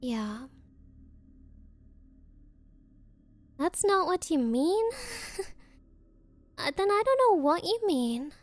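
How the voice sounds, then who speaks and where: A woman's voice: extremely high pitch, sing-song, slow pace, dry recording, exaggerated voice. A young woman voicing a spoiled, possessive rich girl in an anime-style ASMR roleplay, coy and haughty with hesitant, valley-girl phrasing. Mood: mock offended, then smug, coy. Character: bratty spoiled rich girl, possessive, smitten but defensive.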